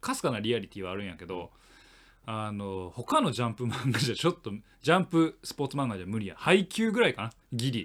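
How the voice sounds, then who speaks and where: A man speaks at a fairly quick pace with a Kansai accent, his pitch swinging very widely and his loudness rising and falling sharply. The recording is very clean, with a silent background. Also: medium pitch for a man. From Kansai, Japan. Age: 30s. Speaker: podcast host. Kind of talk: casual chat.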